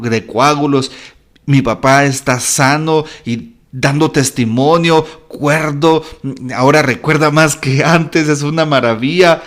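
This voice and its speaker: A man, a Catholic priest, giving a fervent devotional reflection on the gospel, speaking straight to the listener and swinging from strong exhortation to soft, hushed passages. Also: mid-range voice. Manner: fervent, repetitive preaching that swells loud and drops to a hush; addresses the listener directly and intimately.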